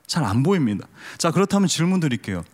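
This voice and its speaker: A man's voice: a little high, big pitch swings, quick pace, a little mellow. A man pastor preaching a sermon with humor, questioning the congregation and asking them to raise their hands. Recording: long hall reverb.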